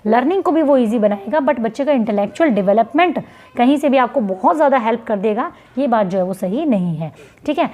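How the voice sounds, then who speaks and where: Indian woman teaching, slow English then quick Hindi. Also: on the high side, a little mellow. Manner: reads English questions slowly, explains quickly in Hindi. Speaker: exam-prep teacher. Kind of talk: revision lesson reading out questions and explaining.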